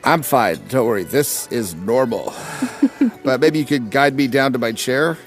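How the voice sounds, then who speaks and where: A man's voice: mid-range voice, expressive, a little slow, faint music behind, natural voice. An actor playing a hapless, good-humoured man on a café date in an audio comedy, with a wry, self-deprecating, joking manner. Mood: resigned. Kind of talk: audio drama comedy acting, conversational.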